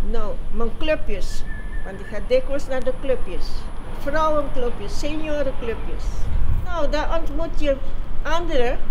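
Amid noticeable background noise, a woman speaks very slowly with long, frequent pauses, her high pitch making very wide swings. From Rotterdam, Netherlands. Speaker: elderly woman staying home during lockdown. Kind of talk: interview answer. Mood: calm, content. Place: street. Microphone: camera far.

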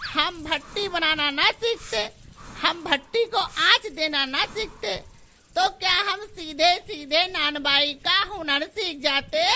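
The speaker uses a gruff, put-on character voice at a very slow pace. Light background noise sits behind it. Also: woman. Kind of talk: dramatized character dialogue. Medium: cartoon. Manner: proud, gruff, teasing, lecturing.

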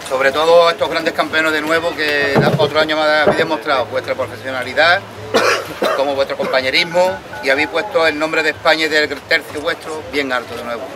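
Music plays behind a voice talking at a fairly quick pace. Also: man. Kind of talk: award ceremony speech. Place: beach. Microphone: camera far.

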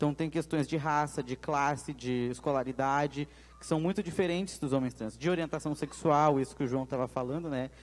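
A man with an ordinary speaking voice talks at a fairly quick pace in a fairly high pitch, his intonation fairly even. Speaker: moderator and activist; moderator. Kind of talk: panel moderation. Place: stage. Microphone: handheld.

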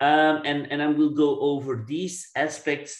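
The background is quiet, with audible room echo. A man speaks. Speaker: obstetric anesthetist lecturer. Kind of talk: lecture. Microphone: video call.

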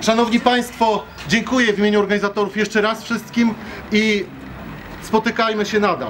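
Noticeable background noise sits behind a man with a high-pitched voice. He talks at a moderate pace in a monotone, flat intonation. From Poland. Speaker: rally organizer and speaker. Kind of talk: rally speech. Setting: outdoors at a public protest with crowd. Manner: formal, earnest, urgent; rallying, emphatic, repetitive. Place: street.

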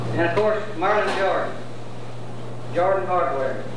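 A man's voice carries strong room echo. Noticeable background noise can be heard. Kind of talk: public speech, acknowledgements. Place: hall. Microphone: camera far.

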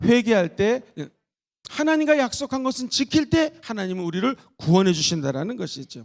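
A man with an extremely high pitch, lively intonation and a fairly quick pace on a very clean recording with a silent background. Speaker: pastor. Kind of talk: sermon. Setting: church. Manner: animated.

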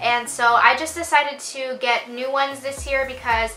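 A woman speaks at a moderate pace over faint background music, with audible room echo. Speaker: haul vlogger. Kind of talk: casual vlog chat. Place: home room. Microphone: camera far.

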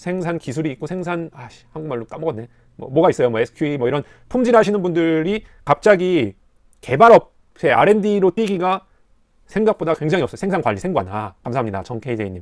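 In a dry, close sound with no echo, a man with a fairly high pitch speaks in an animated tone at a moderate pace, with very wide pitch swings. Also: big swings in loudness. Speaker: automotive engineer and recruiter giving career advice. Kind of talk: live stream chat with viewers.

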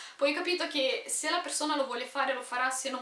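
A woman speaks in a raised, projected voice, high-pitched and animated. There is noticeable background noise. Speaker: YouTuber / vlogger. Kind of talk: casual vlog monologue to camera. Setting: home video recording. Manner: chatty, informal, animated. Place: home room. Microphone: camera far.

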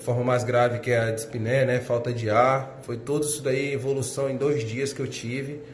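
A man talks at a fairly slow pace in a medium-pitched, flat, monotone voice. Noticeable background noise and audible room echo fill the recording. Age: 30s. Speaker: hospital worker. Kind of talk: video statement. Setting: at home.

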